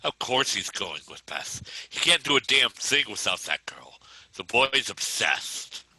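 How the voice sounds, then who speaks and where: A man's voice: medium pitch, sing-song, a little slow, sharp tone, husky, no room sound, full character voice, rough recording. A man playing an irate, exasperated suburban father in a comedic script read, blustering and emphatic.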